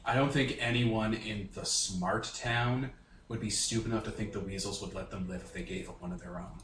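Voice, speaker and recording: A man player with a baritone voice, casual and jokey at a tabletop game. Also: fairly even intonation, fairly quick, a bit bright, echoey room, recorded from a distance, slight background noise.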